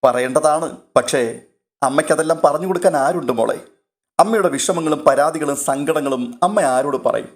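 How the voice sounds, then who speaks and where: Guy doing a kind young woman on the phone, soft coaxing tone, audio story. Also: on the high side, moderate pace, close to an everyday voice. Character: gentle caring young woman, soothing elder sister.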